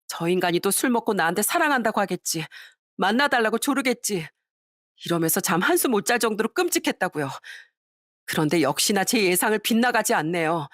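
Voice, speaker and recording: A harassed young wife speaks with emphatic, accusing force, as a woman voices her. Her medium-pitched voice is dry and close. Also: fairly bright tone, dry recording.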